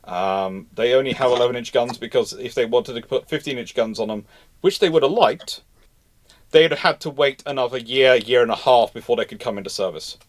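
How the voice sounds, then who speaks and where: A man hosting an unscripted question-and-answer talk, speaking emphatically but haltingly, doubling back and repeating himself to stress points. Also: mid-range voice. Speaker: naval history host answering live questions.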